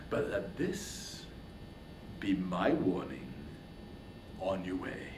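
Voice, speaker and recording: A man's voice: medium pitch, fairly bright tone. A man voicing an arrogant, domineering warrior king with haughty, scornful declamation, as in an epic tale. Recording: roomy echo, faint background noise.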